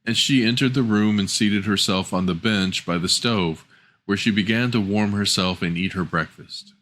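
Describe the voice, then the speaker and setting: A man's voice: on the low side, moderate pace, a bit bright, a little hiss or hum. A man reading a scripted fairy tale as a storyteller.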